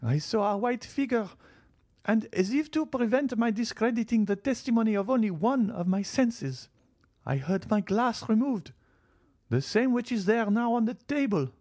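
A man's voice: high-pitched, lively intonation, normal speed, a little mellow, no room sound, voice pushed up. A man reading an audiobook, voicing a frail, commanding old marchioness who talks feverishly of death. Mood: imperious, feverish.

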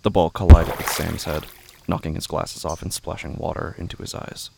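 A man reading scripted, literary narration for a horror audio drama in a measured, brooding way. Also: sits low, flat delivery, gravelly, noisy background.

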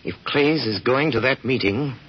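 A confident male detective in an old radio play, as a man plays him, speaking briskly and with quiet assurance. The sound is dull, with a faint hiss under the voice. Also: mid-range voice, close to an everyday voice. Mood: assured. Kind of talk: 1930s radio drama acting.

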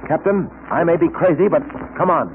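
An actor playing a decisive, sharp-witted American police detective in an old radio serial. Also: male voice, on the high side, animated, brisk, lightly acted. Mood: brisk, resolute. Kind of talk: 1940s radio serial acting. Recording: noisy, tinny old radio recording.

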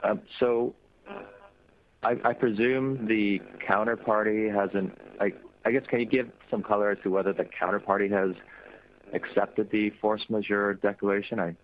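Low-voiced male analyst on a crackly, tinny phone line, halting and full of restarts. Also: fairly even intonation. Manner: hesitant, restarts often. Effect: crackly, static-filled phone line. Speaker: analyst caller. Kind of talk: earnings call questions.

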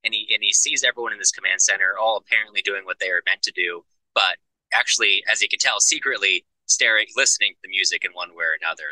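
Casting: man, lowish voice with a very bright, forceful edge, calm explainer on a book podcast. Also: fast talker, dry recording, rough recording. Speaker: podcast co-host discussing a novel. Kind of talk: casual book discussion.

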